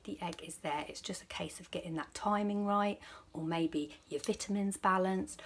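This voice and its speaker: A woman's voice: low voice, slightly rough. A woman vlogger giving casual advice to viewers in a chatty, rambling, self-correcting way.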